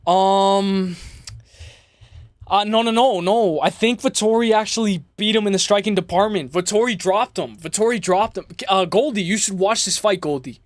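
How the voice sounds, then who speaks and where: A man hosting a casual live fight-preview stream, with a slightly raspy voice, slangy and chummy, repeating phrases and addressing viewers directly. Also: high-pitched, moderate pace, no echo. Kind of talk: casual livestream chat and fight commentary.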